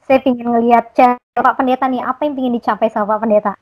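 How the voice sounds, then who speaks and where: A woman with a fairly high voice leads a casual interview, chatty and prompting as she asks her questions. The recording is a bit dull. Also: fairly even intonation, fast.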